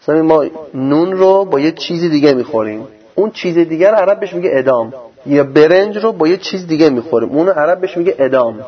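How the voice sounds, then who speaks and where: A man's voice: fairly high pitch, lively intonation. Man giving a sarcastic scripture lecture. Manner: explanatory, quotes Arabic verses slowly; sarcastic, argumentative. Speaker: religious teacher. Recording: dull lo-fi recording.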